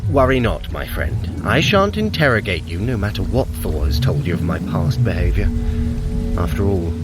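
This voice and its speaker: Over prominent music, a haughty, sly trickster god in a fantasy audio drama. His low-pitched voice swings expressively through precise, sardonic and theatrical phrases. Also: big pitch swings, normal speed. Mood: brooding, smooth.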